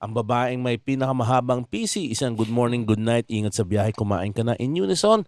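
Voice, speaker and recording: Brief: male comedy podcast host reading listener shout-outs, mid-pitched, dry studio mic. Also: lively intonation, a little fast, no echo. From Philippines. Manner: casual, joking, reads aloud.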